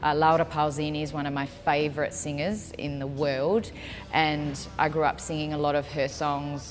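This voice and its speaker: A woman speaks at a moderate pace in a very deep, low voice, her intonation flat and monotone, with music playing in the background. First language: Italian. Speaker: singer. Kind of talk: interview answers.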